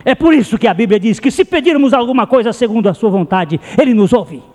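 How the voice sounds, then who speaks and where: Male pastor, high voice, swooping pitch, impassioned, repeats phrases, long hall reverb. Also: lively intonation, quick pace, a little mellow. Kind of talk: sermon.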